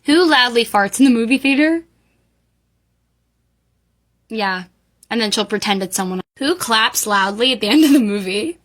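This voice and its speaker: Higher-voiced woman reacting casually. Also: expressive, moderate pace, pauses often, fairly bright tone.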